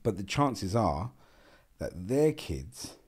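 This is a deep, mellow-voiced man with a South London accent, speaking as a podcast guest in a small studio. He talks earnestly and repeats words as he thinks. The sound is close and clean from a boom-arm mic. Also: slow pace, husky. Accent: South London English. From South London, England. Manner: earnest, repeats words, animated with hand gestures. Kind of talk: casual interview talk. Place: small bright studio room with a window. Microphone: boom-arm podcast microphone.

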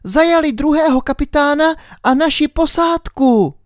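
A man voicing a curious, brave little girl who calls out in a high childlike voice. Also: no room sound, studio quality. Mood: alarmed.

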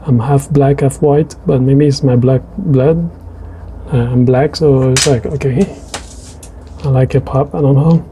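A man's voice: mid-range voice, steady tone, measured pace, noisy background. A man with a French Canadian accent, a native French speaker, chatting casually in a voice-over about his drawing and his tastes, hesitant with many restarts. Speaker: artist narrating a drawing video.

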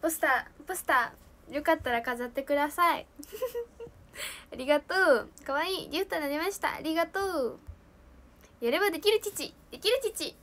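A bubbly teenage girl with a lilt, chatting on a live stream and reading out viewer comments. Her voice sits very high, and she giggles often between lines. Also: animated, normal speed, a bit bright. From Japan. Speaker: idol trainee streamer. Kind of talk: casual live stream chat.

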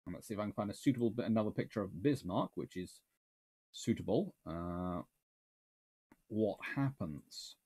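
A man's voice: on the low side, expressive, moderate pace, warm tone, husky. Rambling bearded man in a book-lined study. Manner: rambling, self-correcting, musing aloud. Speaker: naval historian answering viewer questions. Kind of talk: casual livestream Q&A. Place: small home study lined with books.

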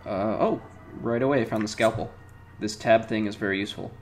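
A man's voice: lowish voice, fairly quick, a little hiss or hum. A man in his thirties casually commenting on the game he is playing, thinking aloud with lots of fillers at home. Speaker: let's play host. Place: home room.

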